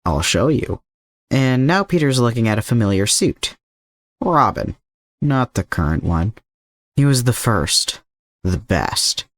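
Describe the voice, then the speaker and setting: A man's voice: mid-range voice, big pitch swings, unhurried, no room sound, clean studio sound. A man reading scripted fiction aloud as the narrator of an adventure story. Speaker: fan fiction podfic narrator.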